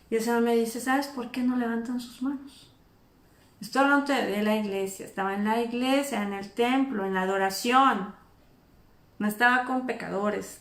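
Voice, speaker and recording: A woman preaching an informal sermon, animated and acting out the people she speaks of. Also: a little high, echoey room. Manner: animated, acts out imagined speakers.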